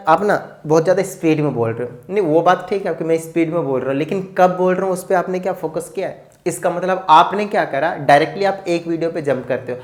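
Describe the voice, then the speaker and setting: A man's voice: a little high, a little mellow. A man teaching a maths lesson at speed, often asking the students whether they follow. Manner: fast-talking, asks rhetorical check questions.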